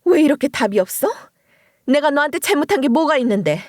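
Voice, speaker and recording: A scheming, clingy mother-in-law presses and reproaches in a pushy, wheedling way, played by a woman narrator. The voice is slightly high and swings widely in pitch. The sound is dry and close. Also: lively intonation, fairly quick, darkish tone, dry recording. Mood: reproachful.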